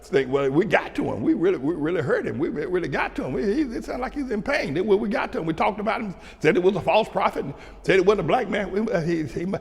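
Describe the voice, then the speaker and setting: An older man from North Carolina with a Southern accent, a pastor preaching commentary, dropping to quiet asides and then rising to shouted declarations with chuckles between. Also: lively intonation, fast, gravelly, hardly any pauses. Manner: swings from low asides to shouted outbursts, chuckling. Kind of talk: preaching commentary to a broadcast audience. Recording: long hall reverb.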